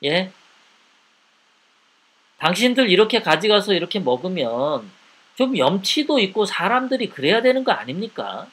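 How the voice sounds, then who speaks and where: A man's voice: high-pitched, very animated, normal speed, pauses often, fairly bright tone, husky. A man hosting a live political commentary show, talking in an indignant way and piling up repeated rhetorical questions.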